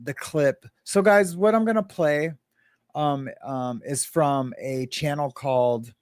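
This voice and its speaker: A man's voice: on the high side, slow pace, no room sound, studio quality. A man co-hosting a casual livestream chat, rambling with frequent laughs, fillers and restarts. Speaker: livestream co-host.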